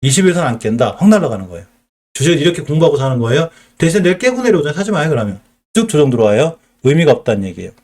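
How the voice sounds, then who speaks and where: Racing along and very animated, this man's voice sits on the high side with a darkish tone. He's middle-aged, speaks with a Chungcheong Korean accent, and walks a live stream audience through stock charts, posing questions and answering them himself.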